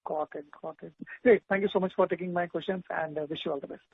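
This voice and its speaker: A man's voice: high voice, fairly even intonation, quick pace, creaky, husky, dry recording. A man, a financial analyst, asking hesitant questions full of fillers on an earnings call over a phone line. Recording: tinny dry phone line.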